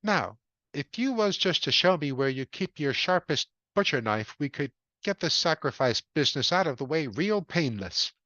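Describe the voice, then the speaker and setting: A man's voice: fairly high pitch, very animated, moderate pace, bright, forceful tone, no echo. Casting: man playing creepy, falsely kind lawnmower spirit, folksy drawl, dry dull recording. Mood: menacing kind. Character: sinister naked male lawnmower man, folksy nature spirit.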